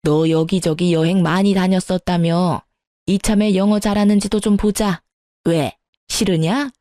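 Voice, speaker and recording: A woman's voice: lowish voice, fairly even intonation, unhurried, warm tone, no echo, studio quality, lightly acted. A woman voicing a pushy, domineering older mother-in-law who nags and scoffs. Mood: scornful. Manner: nagging, domineering.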